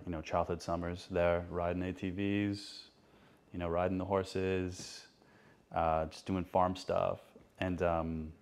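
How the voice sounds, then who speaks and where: A man with a very low voice and plenty of gravelly fry. He tells a spooky childhood story in an easygoing, halting way, pausing often with ums. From Canada. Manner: laid-back, halting storytelling with many ums. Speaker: podcast guest. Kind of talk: casual chat, telling a ghost story.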